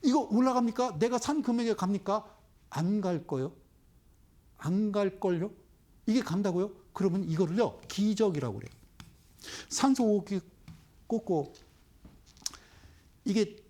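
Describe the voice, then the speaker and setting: Lively scolding male stock commentator. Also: sits high. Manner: scolding with rhetorical questions. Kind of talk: investment broadcast commentary.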